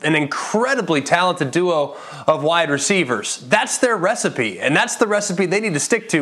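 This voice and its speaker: A man's voice: a little high, a bit bright. A man analyzing football on a panel, confident and detailed, drawing on his own playing days. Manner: confident, detailed, builds points with anecdotes. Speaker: football analyst, former player. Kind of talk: sports analysis.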